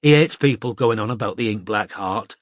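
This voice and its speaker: A man voicing a troubled teenage girl with a northern English accent, talking in a halting, confessional way. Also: lowish voice, no echo, studio quality, natural voice. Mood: chatty. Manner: tearful, halting confessional talk.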